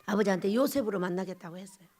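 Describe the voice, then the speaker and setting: A woman pastor preaching a Sunday sermon, swinging from loud, emphatic exhortation to hushed asides and asking the congregation short questions. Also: mid-range voice, very fast.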